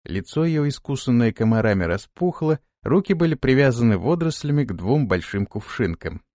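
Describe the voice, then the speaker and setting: A man narrating an audiobook with expressive storytelling. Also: mid-range voice, brisk, dry recording, clean studio sound. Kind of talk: scripted narration.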